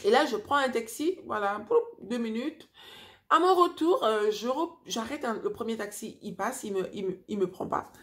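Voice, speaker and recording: Woman, forties, from Africa, chatty vlog storytelling, lots of fillers and restarts, animated. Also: fairly high pitch, moderate pace. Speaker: vlogger. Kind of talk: casual storytelling to camera.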